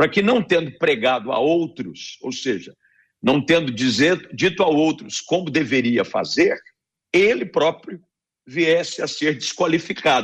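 A man's fairly high voice with vocal fry, lively intonation and a fairly slow pace. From Rio de Janeiro, Baixada Fluminense. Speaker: pastor, debate panelist. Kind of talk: radio panel debate, preaching style. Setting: radio studio.

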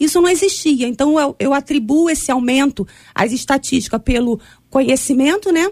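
A woman with a high pitch talks at a moderate pace with lively intonation and very even loudness, the sound dry and close with no echo. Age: 40s. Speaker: pastor. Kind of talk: radio panel debate.

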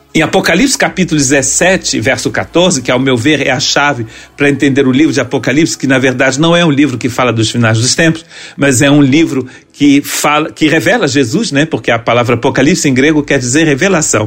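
A man speaks at a fairly quick pace with very even loudness, ordinary pitch variation, a fairly high pitch, and a plain, everyday voice. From Brazil, Região dos Lagos (Rio de Janeiro state). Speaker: pastor. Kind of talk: sermon.

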